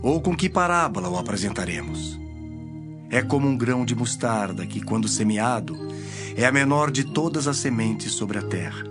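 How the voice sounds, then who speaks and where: A man playing Jesus as a solemn, measured teacher in a dramatized audio Bible. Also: mid-range voice, big pitch swings, lightly acted. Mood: solemn teaching. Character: Jesus, solemn teacher telling parables to followers. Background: music.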